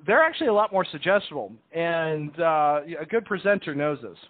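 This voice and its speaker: A man's voice: fairly high pitch, expressive, fairly quick. Talkative man on a tinny phone line. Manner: talkative, explanatory, with repeated words and false starts. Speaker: stage hypnotist, interview guest. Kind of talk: casual radio interview.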